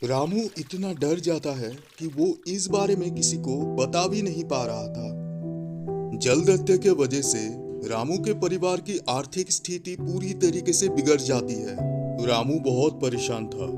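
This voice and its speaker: Animated male story narrator. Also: on the high side, unhurried, over loud music. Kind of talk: scripted children's story narration.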